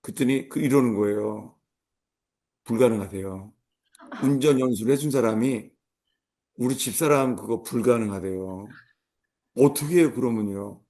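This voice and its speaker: A middle-aged male pastor giving a sermon, telling a humorous personal story and acting out shouted commands. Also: medium pitch, normal speed, pauses often.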